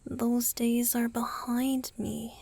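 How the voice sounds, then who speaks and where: A woman voicing a tender romantic young male vampire boyfriend in a gentle, breathy whisper for an ASMR roleplay. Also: fairly high pitch, little pitch movement, no room sound, exaggerated voice. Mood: tender, devoted. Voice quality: breathy, airy. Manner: slow, gentle, intimate.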